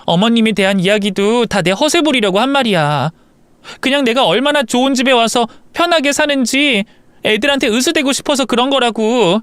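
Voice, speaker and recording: Man voicing a flustered young wife, stammering, high-strung, high smooth voice. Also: a bit bright, no room sound. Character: flustered young wife, defensive then pleading. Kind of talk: storybook voice acting.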